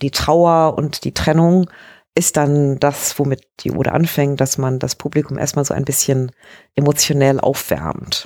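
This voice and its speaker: A woman's very deep, low voice, dark and mellow in tone, very slow in pace and monotone, flat in intonation. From southern Germany, border town. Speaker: professor of Arabic studies. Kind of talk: interview. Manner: hesitant fillers.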